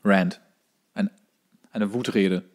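A man's voice: fairly low pitch, fairly even intonation, slow pace. A man co-hosting in casual comedic banter, reading things out and reacting with mock exasperation and swearing. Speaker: podcast co-host reading out a list.

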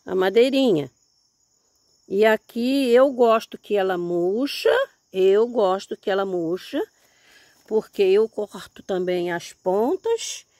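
A woman's voice: medium pitch, dark tone, dry recording. Chatty grandmother in her seventies. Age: 70s. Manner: chatty, folksy, keeps saying "look here", religious exclamations. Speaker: grandmother gardening vlogger. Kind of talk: casual chat while tending plants. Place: outdoors in a hillside garden.

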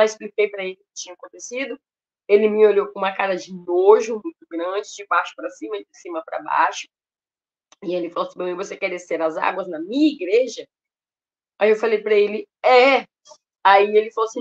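A Brazilian woman shares her personal conversion testimony in an emotional, storytelling manner, often turning to address her listeners directly. The recording sounds somewhat dull and lo-fi. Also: medium pitch. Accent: Brazilian Portuguese. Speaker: testimony speaker at a ministry.

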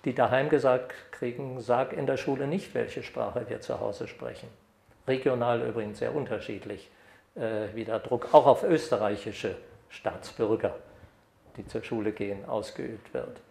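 An older man giving an academic lecture at a podium microphone, lively when reading examples aloud. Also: medium pitch, normal speed, gravelly. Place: lecture hall. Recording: echoey hall.

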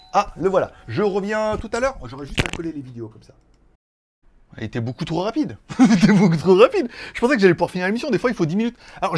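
A fairly high-voiced man from France hosting a laid-back live tech show. He rambles through news and asides, swears casually and laughs at his own jokes, talking straight into a desk mic. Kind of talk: casual live-stream chat.

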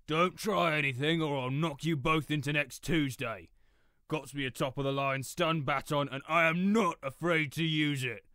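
A man playing a gruff, put-upon minion guard in an audio roleplay, with blunt, slangy speech. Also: a little high, normal speed, bright, forceful tone, no echo, clean studio sound. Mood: menacing. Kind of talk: audio roleplay drama acting.

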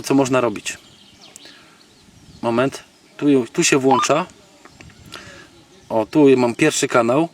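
A man from Poland gives a casual, unscripted gadget demonstration as a video blogger, halting and thinking aloud in colloquial, slangy speech. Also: medium pitch. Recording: noisy, distant microphone, background clicks.

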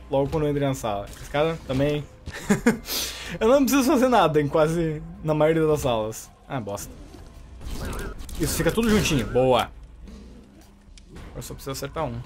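A man with a Brazilian Portuguese accent commenting on his gameplay in a chatty way, reacting loudly and joking at enemies. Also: fairly high pitch. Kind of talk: let's play commentary.

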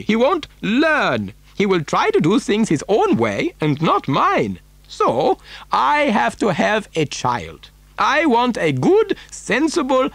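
An eccentric chocolate factory boss from a children's storybook. His high voice swoops wildly with theatrical emphasis. He is imperious and excitable, recorded close and dry. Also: vocal fry, no echo, heavily acted.

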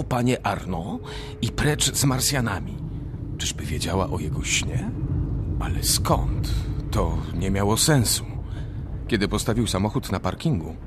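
Radio drama narrator: man, fairly low voice with animated intonation. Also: measured pace, background noise.

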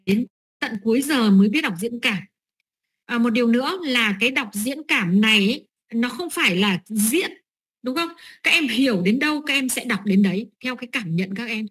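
A woman's voice: on the high side, lively intonation, moderate pace, a bit bright, slightly rough. A middle-aged woman training teachers, explaining lesson steps with many fillers and "right?" checks.

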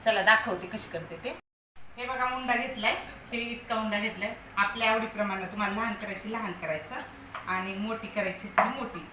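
A woman's voice: mid-range voice, fairly even intonation, brisk, echoey room, noisy background. Chatty woman explaining home cooking. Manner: scolding and coaxing a pet dog. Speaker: vlogger.

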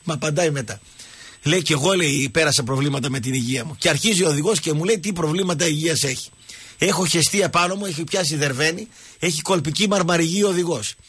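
A man hosting a radio show, telling jokey stories and talking with callers in an animated way. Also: fairly high pitch, husky, dry recording. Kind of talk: casual radio talk.

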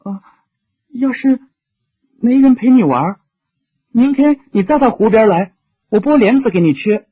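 List: man putting on a shy soft-spoken little girl, very high, slightly husky, dry close sound, dull lo-fi. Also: expressive, a little slow, pauses often, no room sound, heavily acted. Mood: gentle. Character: timid, tender-hearted little girl.

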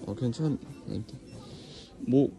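A man speaking through a face mask, gently coaxing someone with short checking questions while filming a vlog. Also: medium pitch, very slow, music in the background. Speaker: vlog host. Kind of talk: casual vlog chat. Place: inside a large store.

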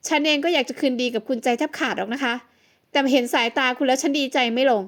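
A woman voicing a young model, a caring ex-wife who speaks softly, coaxingly and very politely. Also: high voice, fast talker.

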